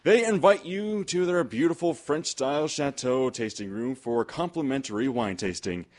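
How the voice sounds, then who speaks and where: A male announcer hosting in old-time radio style. He slides between scripted banter and sponsor copy in a folksy, chummy way, at a middle pitch. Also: moderate pace.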